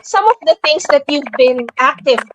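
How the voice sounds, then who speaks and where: A young woman interviews a guest over a video call, her voice high and bright in pitch. She talks in a chatty, curious way with plenty of fillers. A faint hiss sits under the call. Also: animated, moderate pace. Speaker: host.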